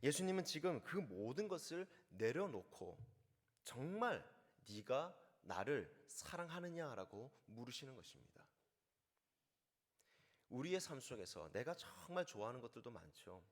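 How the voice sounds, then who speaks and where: A male pastor delivering a sermon, his pitch rising and falling with great life. He tells stories and slows down deliberately for key phrases. The voice rings out with a long reverb, as in a church hall. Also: sing-song. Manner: storytelling, slows down for quotes.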